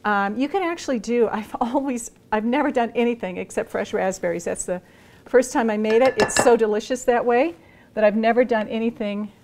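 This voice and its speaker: A woman's voice: fairly high pitch, a little fast, slight background noise. A woman in her sixties hosting a cooking demonstration in a large home kitchen, chatting casually as she works with her hands. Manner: relaxed and chatty, talking while working with her hands. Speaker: cooking show host.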